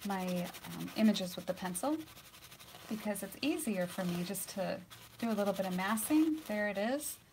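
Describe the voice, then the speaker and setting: A woman painting instructor runs a live painting demonstration in a studio ringed by lights and cameras, chatting and laughing often and sometimes dropping to a soft near-whisper while she works. Her medium-pitched voice is expressive and moderately paced, with slight background noise.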